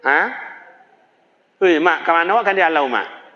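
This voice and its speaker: A man preaching a sermon in a mosque with a Kuantan Singingi Malay accent, dramatic and animated, telling stories in a folksy way. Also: a little high, moderate pace. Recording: echoey mosque hall, dull PA sound.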